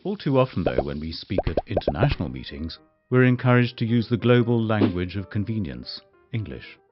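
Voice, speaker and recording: A man delivering a measured scripted speech in a slightly dull, muffled recording. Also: fairly low pitch, very animated, music in the background. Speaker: voice-over artist.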